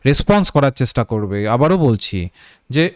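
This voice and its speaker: Clear-voiced man teaching a live class. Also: medium pitch, sing-song, fairly quick, no room sound, clean studio sound. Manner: explanatory, repeats key points, asks rhetorical checks. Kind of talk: live online lecture.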